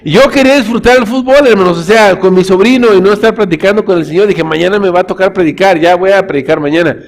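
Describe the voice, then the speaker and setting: A man's voice: sits high, quick pace. A man, a pastor preaching a sermon in church, telling stories and calling the congregation brothers. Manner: storytelling, addresses congregation as brothers.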